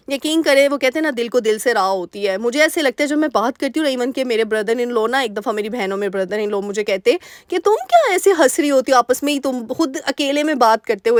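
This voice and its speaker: A young woman with a sore throat doing a chatty voice-over for her cooking vlog, recorded in a small dark store room. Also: on the high side, no room sound, studio quality. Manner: warm, chatty, homely advice-giving. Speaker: vlogger homemaker.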